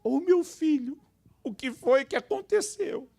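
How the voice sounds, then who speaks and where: A male pastor voicing a fussing young mother who asks her hurt son questions in a high, doting voice. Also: animated, measured pace, creaky, a little mellow, exaggerated voice.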